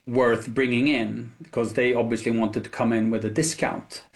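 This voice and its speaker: Middle-aged swedish guy talking business, pretty monotone, gravelly, lots of you know and i mean. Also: medium pitch. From Sweden. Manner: reflective, hedging with fillers. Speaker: founder, interview guest. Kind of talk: business interview.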